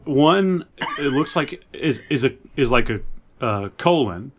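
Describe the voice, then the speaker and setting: Мужчина со средним голосом, ироничный соведущий. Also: male voice, medium pitch, animated, a little slow, slight background noise. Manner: wry, noncommittal, joking. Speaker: podcast co-host. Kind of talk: casual chat about comics.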